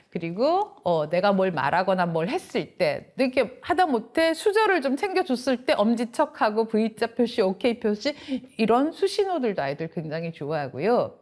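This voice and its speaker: A woman lecturer with a fairly high voice gives an online talk for parents. Her pitch rises and falls a lot. She keeps the lecture lively and speaks straight to her listeners. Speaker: parenting lecturer and youth counselor. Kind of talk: online adult-education lecture.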